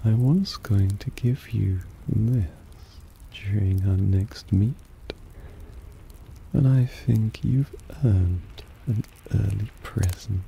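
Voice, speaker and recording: A man playing a possessive, softly dominant vampire in an intimate ASMR roleplay, breathy and often half-whispered, teasing and coaxing. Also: on the low side, takes it slowly, a little hiss or hum, low-quality recording. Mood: teasing, doting. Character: possessive, softly dominant male vampire doting on his pet.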